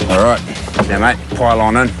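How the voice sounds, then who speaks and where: Kiwi guy w broad nz accent, fairly low voice, matey n a bit sweary, survival show chat, loud music behind. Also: steady tone, brisk. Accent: New Zealand. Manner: laid-back, matey, mildly sweary. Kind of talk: casual unscripted survival commentary. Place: outdoors in tropical wetlands.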